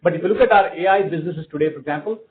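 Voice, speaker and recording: A man's voice: fairly high pitch, very fast. A man, a company executive, explaining business strategy to analysts on an earnings call. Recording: tinny phone line.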